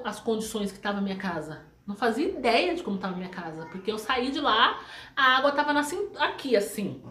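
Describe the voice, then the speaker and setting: A woman's voice: fairly high pitch, fairly bright tone, roomy sound, a little hiss or hum. A woman with a Brazilian Portuguese accent tells her life story to her viewers in a casual, emotional way, often repeating phrases.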